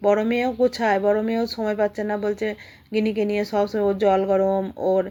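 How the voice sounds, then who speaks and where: A woman's voice: medium pitch, steady tone, quick pace, dark tone, muffled recording. A middle-aged woman with an Indian Bengali accent chatting casually to viewers in a home vlog, repeating herself and asking rhetorical questions. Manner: chatty and repetitive, addressing listeners with frequent rhetorical questions. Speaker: housewife vlogger.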